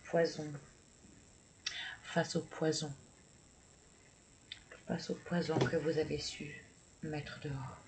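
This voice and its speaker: A man reading tarot and oracle cards for viewers, talking slowly and hesitantly with many fillers, and encouraging and congratulating the listener. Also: a little high, little pitch movement. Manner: slow, hesitant, with many fillers and repeated words. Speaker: tarot and oracle card reader. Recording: clear background noise.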